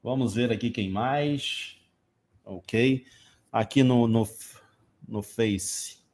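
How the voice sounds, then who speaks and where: A man's voice: medium pitch, drawn-out words, darkish tone. A man with a Brazilian Portuguese accent, an English teacher answering viewer questions in a casual live stream, explaining patiently with everyday examples.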